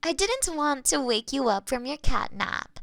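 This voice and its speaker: A woman playing a doting, playful cat owner in an intimate ASMR roleplay, cooing and gently coaxing as if to a pet, close on a binaural microphone. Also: high-pitched, big pitch swings, measured pace, no echo, heavily acted. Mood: mock exasperated. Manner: cooing, teasing baby talk to a pet.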